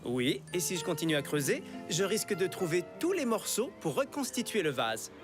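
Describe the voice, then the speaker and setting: A friendly cartoon archaeologist, enthusiastic and patient with children. His delivery swings up and down in pitch as he explains and encourages. Music runs behind him. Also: big pitch swings, normal speed.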